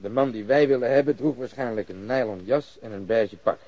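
An actor playing a polite, methodical police inspector in a radio crime drama, questioning with measured courtesy. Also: male voice, mid-range voice, lightly acted. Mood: probing. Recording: muffled, dull radio drama recording.

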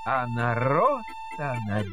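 A man narrating a verse fairy tale in a theatrical, measured storytelling manner. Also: mid-range voice, sing-song.

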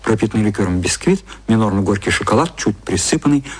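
A man narrating a literary radio play in a measured storytelling style. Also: fairly low pitch, expressive, breathy edge.

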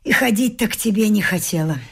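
A woman's voice: medium pitch, expressive, fairly quick, creaky, husky. An actress in a radio play voicing a domineering, grasping middle-aged mother-in-law who scolds emphatically and haughtily. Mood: disgusted. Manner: scolding, emphatic nagging with whispered scorn. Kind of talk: theatrical radio drama acting.

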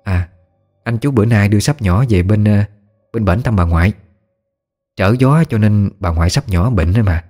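A man's voice: lowish voice, moderate pace, pauses often, dark tone, soft background music, natural voice. A man with a Southern Vietnamese accent voicing a respectful daughter-in-law who explains politely to her mother-in-law. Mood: explaining.

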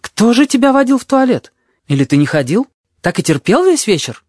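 A man voicing a stern, easily outraged woman nurse who scolds in a shrill, indignant voice. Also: very animated, fairly quick, a little mellow, dry recording, studio quality, heavily acted. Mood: scolding.

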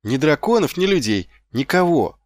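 A man's voice: high-pitched, big pitch swings, normal speed, no echo, voice pushed up. A man reading an audiobook, voicing an eager, earnest young male guard in a raised, rousing voice.

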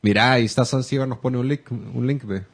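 A man's voice: medium pitch, brisk, gravelly, slightly rough. A man with a Salvadoran accent co-hosting a podcast, reminiscing casually about childhood collectibles. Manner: nostalgic, reminiscing. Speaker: podcast co-host. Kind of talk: casual chat.

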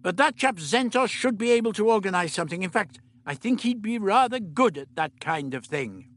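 A man voicing a fussy, absent-minded elderly male doctor who talks in an old-fashioned, brisk way and stammers now and then. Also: sits high, expressive, a bit bright, voice pushed up. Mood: explaining. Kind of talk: audiobook character reading.

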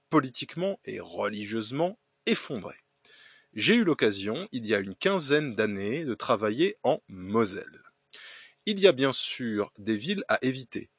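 Male podcast host, husky, animated delivery, reads listener mail with hesitations, dry close sound. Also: mid-range voice, no room sound. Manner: hesitant reading with fillers and restarts, ironic asides. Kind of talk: reading listener letters aloud with asides.

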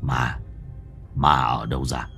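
A man voicing an elderly male ritual master who speaks in a calm, stern, hushed way. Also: creaky, husky, soft background music, full character voice. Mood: calm, puzzled. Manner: deep, hushed, measured.

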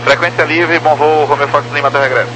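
A man's voice: fairly high pitch, fairly even intonation, fast talker, loud music behind the voice. A Brazilian man speaking on air traffic control radio in clipped procedural phrases. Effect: aviation radio. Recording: noisy radio with hum.

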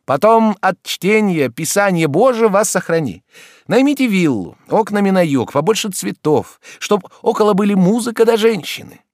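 A man reading an audiobook voices a confident fashionable doctor giving brisk advice. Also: high-pitched, very animated, dry recording, clean studio sound, voice pushed up. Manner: brisk, prescriptive, upbeat.

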